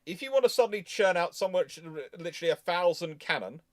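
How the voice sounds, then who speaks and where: A man's voice: sits high, expressive, quick pace, no room sound, studio quality. A man hosting a casual live discussion, explaining things in an emphatic way. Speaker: host of a live naval history Q&A stream.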